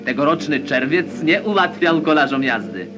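A man's voice: on the high side, sing-song, normal speed. Man narrating an old 1950s newsreel. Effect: old 1950s newsreel voice-over. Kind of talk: scripted newsreel sports narration. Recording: voice-over over loud music.

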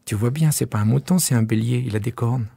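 A man voicing a small, curious boy prince in an audiobook, with soft, breathy, husky tones and wondering, gently insistent questions. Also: mid-range voice, quick pace, no room sound, studio quality. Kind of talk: audiobook character voice.

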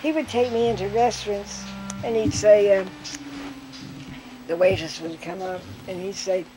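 An older woman recounting memories from her life in an interview, telling stories lively and acting out what people said. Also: mid-range voice, normal speed, background noise. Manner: lively storyteller who acts out quotes with laughs.

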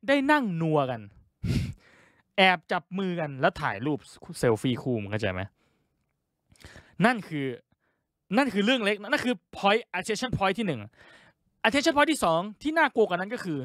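Male stand-up comic, crude and profane, very animated delivery. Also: high voice, unhurried, pauses often, dry recording, clean studio sound. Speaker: stand-up comedian. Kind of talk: stand-up storytelling.

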